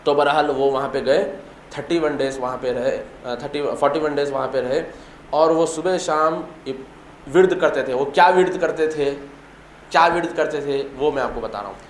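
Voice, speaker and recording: A man's voice: a little high, moderate pace, a little hiss or hum. A man giving a religious storytelling talk, emphatic and repetitive, often posing rhetorical questions. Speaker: religious speaker. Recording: echoey room, faint ambience.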